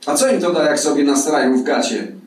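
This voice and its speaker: An actor reading aloud and voicing a pompous German factory guard who talks with mocking Prussian irony. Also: male voice, on the high side, animated, fast, lightly acted. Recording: echoey hall from far off.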